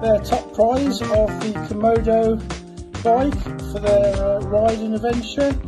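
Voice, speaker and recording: Clear music plays in the background. A man speaks at a very slow pace. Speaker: e-bike rider. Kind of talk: casual talk to camera. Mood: grateful, cheerful. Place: home room. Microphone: phone near.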